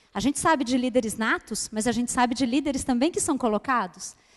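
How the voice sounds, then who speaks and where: A high-pitched woman's voice comes through over a quiet background. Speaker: university professor presenting. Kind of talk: lecture. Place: hall.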